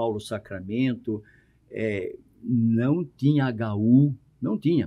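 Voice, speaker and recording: The background stays quiet while a male speaker talks with a dark, mellow tone. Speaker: pediatrician. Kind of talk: interview. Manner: halting. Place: studio. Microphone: studio mic.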